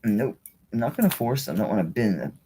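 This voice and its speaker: A woman's voice: very deep voice, expressive, quick pace, mellow, slight background noise, poor audio. A woman hosting a live jewelry auction in a chatty, casual way, laughing often and talking to herself as she handles items. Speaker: online jewelry seller.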